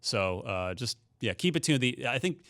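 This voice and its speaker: A man's voice: mid-range voice, big pitch swings, normal speed, a bit bright. A man hosting a conversational gaming show, talking in a chatty, opinionated way. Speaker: podcast host.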